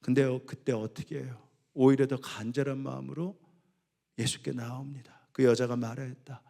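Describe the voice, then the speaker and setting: A man preaching a sermon as pastor, swinging between loud, impassioned cries and low, hushed passages. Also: little pitch movement, moderate pace, creaky. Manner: rising to impassioned shouts when voicing biblical cries, then dropping low and soft.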